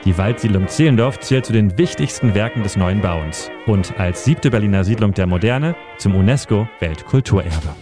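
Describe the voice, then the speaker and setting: Man, fairly low voice, measured documentary narration for radio, music bed underneath. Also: lively intonation. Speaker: feature narrator. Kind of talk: scripted radio feature narration. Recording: studio voice-over over music.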